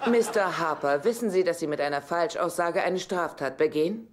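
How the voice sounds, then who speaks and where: An actress playing a stern, no-nonsense police investigator in a German-dubbed sitcom, curt and businesslike. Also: female voice, on the low side, normal speed, close to an everyday voice. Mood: stern, questioning.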